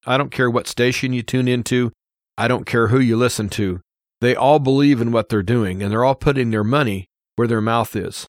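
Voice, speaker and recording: A man's voice: mid-range voice, no room sound, clean studio sound. An American man hosting a radio show, talking informally and giving his opinions in an earnest, plain-spoken way, often repeating points for emphasis.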